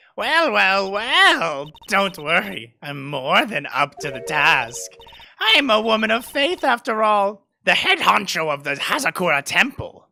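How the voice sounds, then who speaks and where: A woman uses a put-on character voice at medium pitch, with very wide pitch swings and a fairly slow pace. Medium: actual play. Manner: chatty, folksy.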